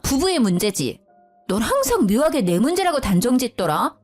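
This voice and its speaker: Woman, 30s, dramatized story narration, indignant, emphatic, animated pitch. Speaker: storyteller, schoolteacher wife.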